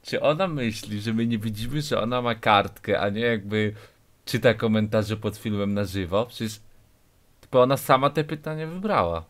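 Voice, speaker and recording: A man's voice: on the low side, normal speed. A man reacting to a video, mocking it and sounding incredulous. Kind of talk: casual reaction commentary.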